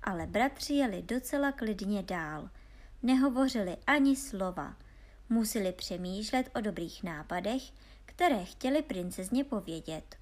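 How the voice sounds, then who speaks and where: A woman calmly reading a fairy tale aloud as storyteller. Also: mid-range voice.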